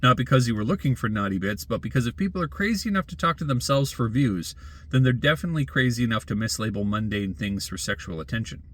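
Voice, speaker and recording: A man's voice: mid-range voice, lively intonation, fast, a bit bright. Wry man reading an opinion essay. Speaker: blogger and commentator. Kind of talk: scripted opinion essay read aloud.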